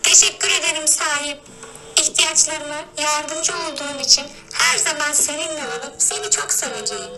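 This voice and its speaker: A woman voicing a devoted newborn robot dog in an emotionless, robotic, measured way for a game role-play. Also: high-pitched, pushed and bright, exaggerated voice. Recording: music clearly behind the voice.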